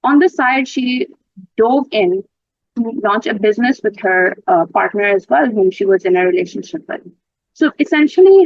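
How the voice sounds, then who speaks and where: A woman's voice: on the high side, dry recording. A woman from Pakistan, a native Urdu speaker, presenting mental health research at a conference in an explanatory way. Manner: explanatory, clarifies terms, occasional fillers. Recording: dull lo-fi dry sound.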